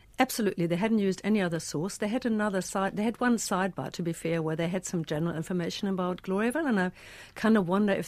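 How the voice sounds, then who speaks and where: A woman at a very fast pace and medium pitch, with ordinary pitch variation, on a very clean recording with a silent background. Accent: German. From Germany. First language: German. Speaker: freelance journalist. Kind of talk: interview.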